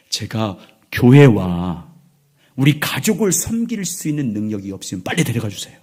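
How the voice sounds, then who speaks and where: A man in his sixties, a pastor preaching a sermon in a church, moving between loud emphatic lines and hushed, near-whispered ones. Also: medium pitch, very animated, unhurried, breathy edge. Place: church sanctuary.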